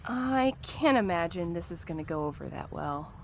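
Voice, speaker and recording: A woman's voice: fairly low pitch, lively intonation, normal speed, gravelly, a little mellow, a little hiss or hum. A woman playing a sensible, anxious peacemaker with dry humour in an audio drama. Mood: uneasy.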